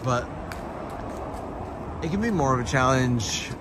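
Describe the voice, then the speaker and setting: A man hosting a casual walking livestream outdoors, answering viewer questions in a relaxed, chatty way. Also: mid-range voice, takes it slowly. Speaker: vlogger and livestream host. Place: outdoors on city streets. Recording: street noise behind the voice. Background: street ambience and passing vehicles.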